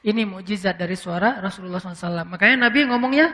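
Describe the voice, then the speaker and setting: A man preaching in a casual, conversational lecture, with frequent fillers and English words mixed in. He slows into a solemn voice when acting out quoted speech. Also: high-pitched, bright, forceful tone, in a large hall. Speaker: Islamic preacher.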